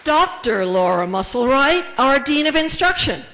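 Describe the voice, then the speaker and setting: A woman with a slightly high voice introduces the guests at a formal ceremony. She reads names and titles in a measured, steady way. A faint murmur of the audience sits behind her. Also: a faint crowd, a little hiss or hum. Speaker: ceremony emcee.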